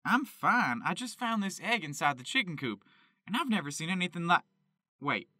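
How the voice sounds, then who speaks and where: A man playing an excitable young chicken farmer who talks in a folksy, exclamatory way in an amateur audio drama. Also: high voice, moderate pace, no echo, clean studio sound, heavily acted. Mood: earnest. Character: excitable young male Kentucky chicken farmer, devoted to animals.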